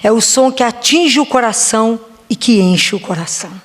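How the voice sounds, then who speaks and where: A woman giving a slow, reflective devotional sermon, often asking rhetorical questions. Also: a little high, expressive. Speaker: preacher. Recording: long hall reverb.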